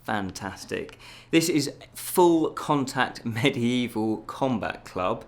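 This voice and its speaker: A man's voice: mid-range voice, lively intonation, takes it slowly. A man presenting scripted news items as a show host, in a casual, chatty way with jokey asides.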